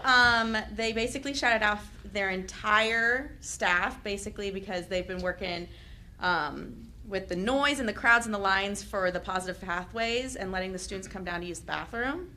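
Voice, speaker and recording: A young woman who is a teacher reads shout-outs at a school board meeting, chatty and loud, with laughing asides. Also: medium pitch, lively intonation, normal speed. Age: young adult. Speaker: teachers association representative.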